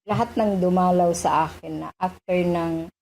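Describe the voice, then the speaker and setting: A woman's voice: lowish voice, steady tone, moderate pace, gravelly, crowd noise, rough recording. A woman doctor recounting her recovery from cancer in an interview, hesitating often with fillers and slipping into English phrases. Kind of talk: personal testimony in an interview.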